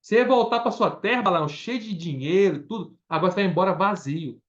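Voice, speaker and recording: Irate king, higher than his usual voice, mocking tone, as a male preacher puts him on. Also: fast, dull audio, natural voice. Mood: scolding. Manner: indignant, mocking. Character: angry pagan king scolding a prophet.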